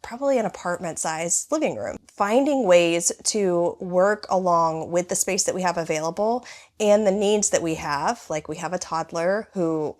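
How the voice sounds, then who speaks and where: A woman in her thirties with a hoarse, raspy voice from bronchitis, chatting casually as she tours her small living room. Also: on the low side, moderate pace, darkish tone. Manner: chatty, rambling with many "like" fillers. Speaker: home vlogger. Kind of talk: casual home tour vlog.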